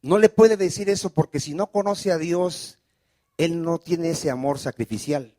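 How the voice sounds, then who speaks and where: Higher-voiced preaching pastor, dry sound. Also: male voice, measured pace, warm tone, dry recording. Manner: preaching with call-and-response questions. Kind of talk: sermon.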